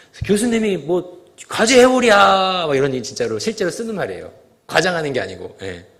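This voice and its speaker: Audible room echo surrounds a man's fairly quick speech. His pitch swings very widely. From Korea, northern Chungcheongbuk-do (Jecheon area). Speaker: pastor. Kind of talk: sermon. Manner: casual conversational.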